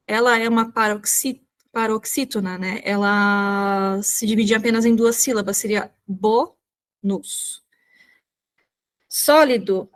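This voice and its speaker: A woman with a Brazilian Portuguese accent answering as a candidate in a mock oral exam. She is polite and formal and often hesitates with fillers. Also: a little high. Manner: polite and hesitant, many fillers, addresses the examiner as "Excelência".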